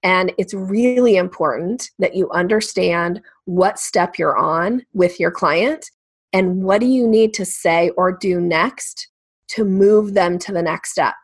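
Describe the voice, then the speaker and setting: Lower-pitched woman guest, close dry sound. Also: takes it slowly, husky, no room sound. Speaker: sales coach, podcast guest. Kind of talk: conversational interview explanation.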